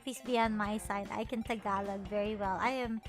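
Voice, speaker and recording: A woman's voice: mid-range voice, fairly quick, soft background music. A woman from the Philippines, chatting playfully on a stream, teasing herself and laughing often. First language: Filipino. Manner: animated, playful and self-mocking, laughs often. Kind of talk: casual chat stream.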